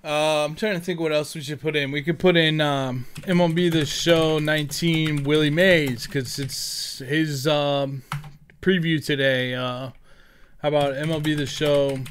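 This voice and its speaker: A man's voice: on the high side, slight background noise. A man giving a casual, rambling screen-recorded tutorial as a gaming content creator, thinking aloud as he goes. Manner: informal, rambling, thinking aloud while typing. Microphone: headset.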